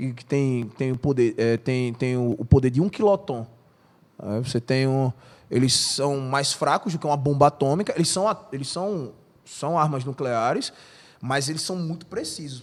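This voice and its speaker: A man is speaking here. His pitch is fairly high, with ordinary pitch variation. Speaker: history teacher. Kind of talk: casual podcast chat explaining history. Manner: fast; animated.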